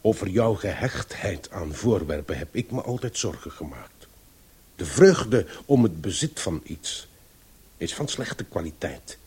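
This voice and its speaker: An actor playing an opinionated, philosophizing elderly uncle who lectures pompously in a Dutch radio play. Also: male voice, sits low, very animated, a little slow, darkish tone, slightly rough, full character voice. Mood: lecturing. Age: older. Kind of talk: Dutch radio drama acting.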